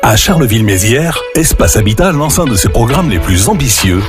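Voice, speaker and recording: A man's voice: medium pitch, very animated, brisk, music in the background. A man reading a scripted local radio advert.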